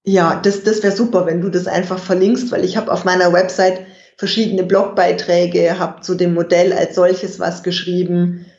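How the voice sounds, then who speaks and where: A guest expert in an interview, explaining communication in a measured way and thinking aloud with fillers. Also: mid-range voice, level tone, a little mellow. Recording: dull, roomy recording.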